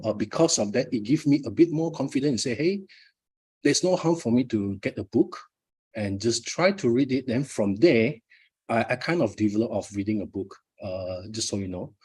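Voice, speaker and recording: A man's voice: lowish voice, expressive, normal speed, a little mellow, slightly rough, poor audio. A middle-aged Malaysian man, a Malay native speaker, giving a live motivational talk at his book launch with frequent fillers and repeated words.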